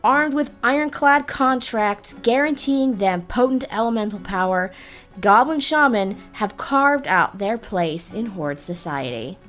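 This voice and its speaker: A woman's voice: fairly high pitch, lively intonation, a little slow, a bit bright, faint music behind. A woman host narrating a scripted explainer in the style of a video game guide.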